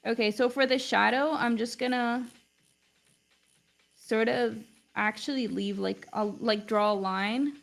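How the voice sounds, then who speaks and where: A woman's voice: a little high, fairly even intonation, a little slow, gravelly. A young woman, an art teacher with English as her second language, chatting casually and rambling with lots of "like" while she draws on a livestream. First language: not English. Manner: chatty, rambling, heavy use of "like". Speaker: art teacher streaming live.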